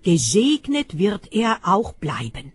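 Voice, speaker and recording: A grave, trembling old patriarch from a scripture story, as the reader puts him on. He speaks slowly and solemnly in a husky, breathy tone, close and dry. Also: mid-range voice, dry recording. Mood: shaken. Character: old blind father, shaken and grave.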